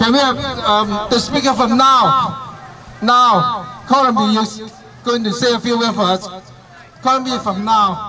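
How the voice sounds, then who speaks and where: Over crowd noise and audible room echo, a man with a high pitch projects a raised voice at a fairly slow pace, using ordinary pitch variation and long, frequent pauses. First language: Cantonese. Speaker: rally organizer. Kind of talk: event announcements. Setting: outdoors.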